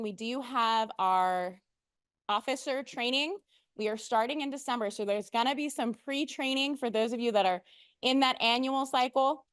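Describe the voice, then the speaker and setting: A woman's voice: a little high, a bit bright, clear, resonant tone, no room sound, studio quality. A woman giving informal announcements to a group as a district officer, upbeat and encouraging.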